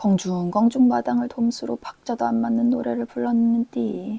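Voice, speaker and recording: A woman's dark, mellow voice makes very wide pitch swings in a dry, close sound with no echo. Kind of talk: audiobook reading.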